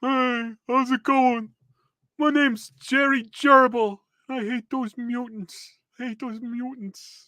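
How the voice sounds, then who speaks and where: A female-sounding, put-on character voice with a fairly high pitch speaks at a fairly slow pace in a very clean recording with a silent background. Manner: cartoonish, hostile.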